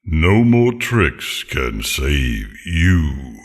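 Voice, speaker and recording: A man's voice: very deep voice, very animated, very slow, breathy edge, full character voice. A man voicing a grieving, furious male centaur warrior with a raw, growling delivery. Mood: menacing.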